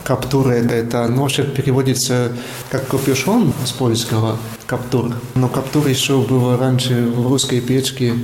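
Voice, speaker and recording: Young priest talking in an echoey church. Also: male voice, medium pitch, flat delivery, normal speed, darkish tone. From Latvia. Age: young adult. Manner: explanatory, searching for words. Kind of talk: interview conversation. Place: inside a church. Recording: echoey church with faint noise.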